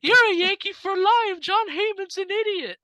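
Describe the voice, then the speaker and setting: Casting: lovesick young woman fan, doting and high-pitched, put on by a man. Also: moderate pace, sharp tone. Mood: adoring.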